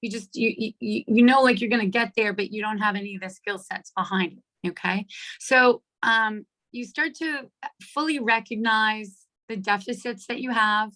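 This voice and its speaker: A middle-aged woman with a hoarse voice leading an online coaching workshop on a video call, chatty and checking in with her listeners often. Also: fairly high pitch, moderate pace, bright, forceful tone, rough recording. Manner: chatty, checks in with "right?" and "okay?". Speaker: workshop leader. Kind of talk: live online coaching talk.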